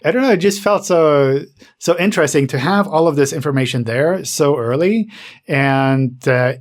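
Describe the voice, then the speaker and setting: A man's voice: fairly high pitch, normal speed. A man hosting a podcast, chatting casually in a conversational, musing way. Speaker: podcast host.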